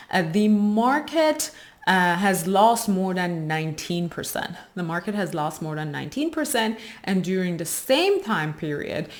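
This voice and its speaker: Woman explaining investing research. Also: medium pitch. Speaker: host of an investing video channel.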